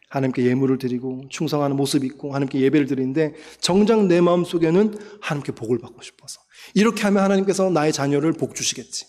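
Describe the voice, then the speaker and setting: Korean pastor preaching in a reverberant church. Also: male voice, fairly high pitch. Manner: earnest preaching, rising to fervent shouted prayer. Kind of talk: sermon and leading prayer. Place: church sanctuary. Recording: long church hall reverb.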